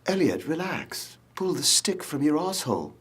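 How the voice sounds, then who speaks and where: A man imitating a bossy, excitable film director who brushes off complaints. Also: a little high, moderate pace, husky, full character voice. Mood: dismissive.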